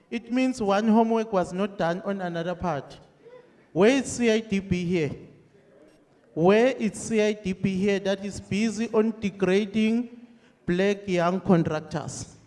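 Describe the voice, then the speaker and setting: A man with a Zulu accent and a high-pitched voice, speaking at a fairly slow pace over noticeable background noise. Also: ordinary pitch variation. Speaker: audience member, contractor. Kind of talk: public meeting question.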